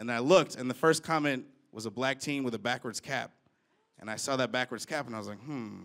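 Here is a plain, everyday voice: a man at medium pitch with an American accent. He talks at a fairly quick pace with ordinary pitch variation. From Chicago. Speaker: stand-up comedian. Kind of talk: stand-up. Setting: stage with audience.

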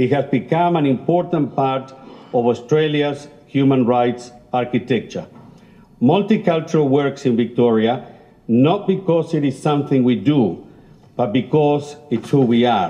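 Spoken with a Spanish accent at a fairly slow pace, the pitch moves in an ordinary way. Loudness stays very even over a quiet background. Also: man, medium pitch for a man. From Uruguay. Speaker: state politician. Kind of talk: parliamentary farewell speech. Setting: parliament chamber. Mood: proud, reflective. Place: hall. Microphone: podium.

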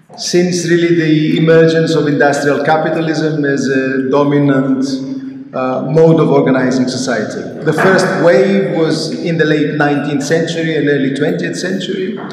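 Over light background noise and audible room echo, a man speaks at a moderate pace with fairly even intonation. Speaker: keynote speaker, economics professor. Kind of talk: lecture. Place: hall. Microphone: podium.

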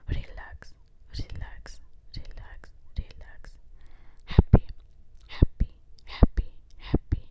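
Whispering and soft-spoken, the voice has a soothing tone and a very slow pace, with a dry sound with no echo and light background noise. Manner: soft ASMR whisper, repetitive soothing words.

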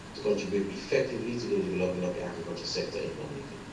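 A man's speech comes with audible room echo and noticeable background noise. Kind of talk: formal prepared speech. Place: hall.

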